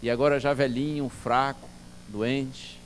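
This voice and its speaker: A male pastor preaching a sermon as a story, acting out dialogue and swinging from soft to loud. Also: medium pitch, steady tone, measured pace, slight background noise.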